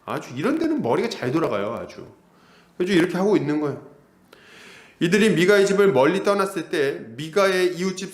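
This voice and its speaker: A middle-aged male pastor preaching an expository sermon, animated and acting out the characters. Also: a little high, echoey room. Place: church hall.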